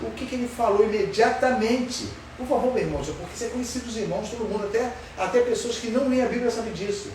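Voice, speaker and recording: A man's voice: high voice, fast talker, hardly any pauses. A man teaches a Sunday school Bible lesson, questioning his class in an emphatic way. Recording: roomy far-off sound with faint noise.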